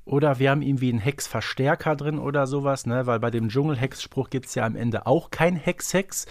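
A man's voice: medium pitch, brisk, dry recording, clean studio sound. A man co-hosting a podcast, thinking aloud and explaining in a casual, analytical discussion. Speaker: podcast co-host. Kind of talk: casual analytical discussion of an audio drama series.

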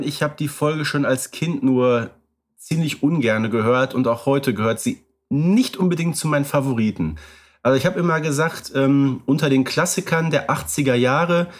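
A man co-hosting a podcast, chatting in a relaxed conversational way with occasional fillers. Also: mid-range voice. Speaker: podcast co-host. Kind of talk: casual podcast chat.

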